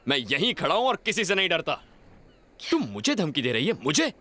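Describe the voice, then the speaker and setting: A man dubbing a rough, defiant young man in a film, speaking in a gruff, blunt and commanding way. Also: on the high side, wildly swooping pitch, brisk, a crowd in the background. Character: rough, defiant young man, self-declared island king. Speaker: film hero in a Hindi dub. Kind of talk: dubbed film acting. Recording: film dub over loud score.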